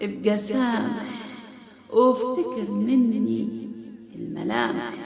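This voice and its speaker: Very slowly, a woman speaks with an Upper Egyptian accent over noticeable background noise. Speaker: poet. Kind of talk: poetry reading.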